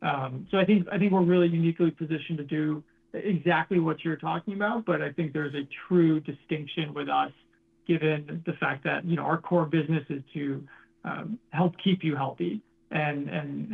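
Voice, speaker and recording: A man's voice: a little high, moderate pace, gravelly, slightly rough, narrow, tinny audio. A man speaking as a company executive answering questions on an earnings call, restarting often and using corporate jargon.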